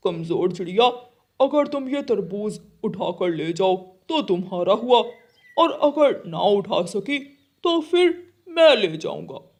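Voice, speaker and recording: A woman doing a loud gloating bully crow. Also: medium pitch, sing-song, slow, full character voice. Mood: mocking. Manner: gloating, loud, with mocking laughs. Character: boastful bullying male crow, greedy.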